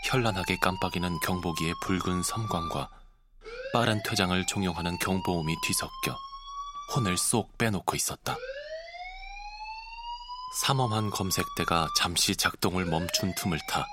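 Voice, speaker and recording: A male voice actor giving scripted audiobook narration with expressive storytelling, recorded close on a studio mic. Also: low voice, normal speed.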